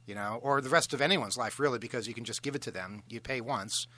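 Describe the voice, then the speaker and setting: A man hosting a radio talk show, telling a long self-deprecating story in a halting, rambling way. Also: medium pitch, bright, forceful tone, no room sound. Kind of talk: casual on-air storytelling.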